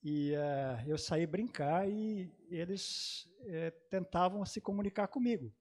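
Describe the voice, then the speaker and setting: Male panelist, native German-dialect speaker, hesitant reminiscing delivery, slightly high voice. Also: darkish tone. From Brazil, grew up in Santa Catarina. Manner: halting, many hesitations and restarts. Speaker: panelist at a theology congress. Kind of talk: personal recollection in a panel talk.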